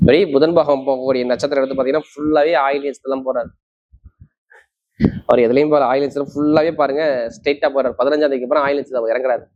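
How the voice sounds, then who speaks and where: A man's voice: mid-range voice, steady tone, racing. A man giving an astrology forecast to viewers in an emphatic, assuring manner, often repeating key points. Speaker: astrologer, host. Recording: slightly dull, lo-fi sound.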